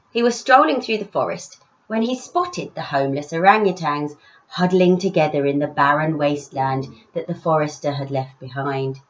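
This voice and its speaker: A woman author reading her own story aloud in an expressive children's storytelling style. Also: lowish voice, dull audio.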